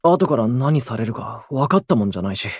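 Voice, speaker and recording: An actor playing a gloomy, prickly, self-deprecating young station worker in a voice drama, with blunt, grumbling delivery. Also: male voice, mid-range voice, sing-song, fairly quick, breathy edge, dry recording, studio quality. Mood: wary, sulky. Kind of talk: Japanese voice drama acting.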